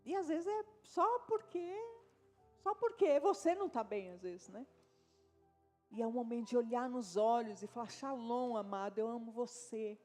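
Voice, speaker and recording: Female pastor, Brazilian accent, higher voice, casual chatty sermon with faint music beneath. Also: expressive, normal speed, a little mellow. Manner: conversational preaching, tag questions and asides to the congregation. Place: church service.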